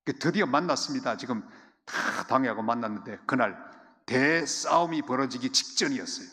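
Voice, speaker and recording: A male pastor preaching a sermon with fervor, dropping to quiet asides and rising to loud, urgent exhortation. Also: medium pitch, expressive, brisk. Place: church sanctuary. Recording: long church-hall reverb.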